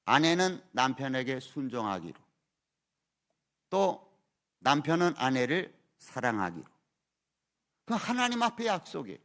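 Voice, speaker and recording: A man's voice: mid-range voice, sing-song, a little slow, long pauses, a bit bright. An older man, an emeritus pastor, preaching a sermon in church with emphatic rhetorical questions. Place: church sanctuary.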